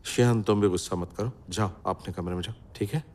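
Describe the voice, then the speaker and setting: Man dubbing a mild dad calming everyone down, lowish voice. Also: a little fast, natural voice. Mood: placating. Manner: mild and placating. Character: middle-aged father, gentle peacemaker. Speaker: dubbing voice actor. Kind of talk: Hindi dub of a drama series.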